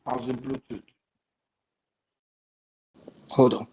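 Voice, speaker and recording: A man joining a live audio debate, his voice muffled as if heard through a wall from a Bluetooth headset, quiet and distant. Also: mid-range voice, level tone, takes it slowly, noisy background. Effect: muffled, as if talking through a wall from a Bluetooth headset. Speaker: call-in participant in an online debate. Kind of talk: casual live audio chat.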